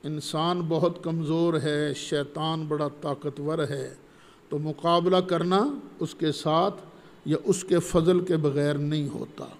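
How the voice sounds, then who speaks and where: A man giving a Quran commentary lecture, reciting Arabic verses slowly and then explaining them. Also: a little high, flat delivery. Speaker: Quran teacher. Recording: long hall reverb.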